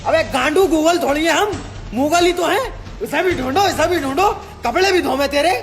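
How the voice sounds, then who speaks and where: Guy doing a mouthy court advisor, gravelly and high, grumbles a lot, faint music. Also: normal speed. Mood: mocking. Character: cheeky male royal courtier, foul-mouthed and mocking. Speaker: comedy sketch actor. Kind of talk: crude comedy sketch acting.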